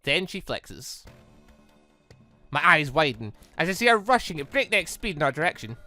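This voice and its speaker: A gaming host rambles through a visual novel, reading aloud and commenting. The voice is bright and swings widely in pitch. It is recorded dry and close, with faint music underneath. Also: normal speed, no echo. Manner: rambling, animated. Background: game music.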